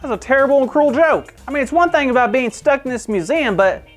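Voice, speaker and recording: A woman putting on a wide-eyed, goofy young guy who hosts a kids' church comedy show, squeaking up high and swooping all over the place. He bursts into shrill yelps at every surprise, with faint music under him. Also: lively intonation, fast talker. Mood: indignant. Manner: bouncy, over-the-top, squealing outbursts. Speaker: children's church show host.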